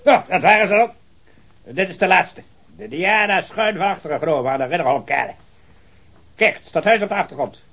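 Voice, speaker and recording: An actor playing a jovial, talkative, hard-of-hearing old retired colonel who rambles heartily in a radio drama. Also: male voice, high voice, brisk, long pauses, a bit bright, slightly rough, exaggerated voice. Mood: cheerful, rambling. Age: older. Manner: rambling, hearty, with repeated affirmations and chuckles.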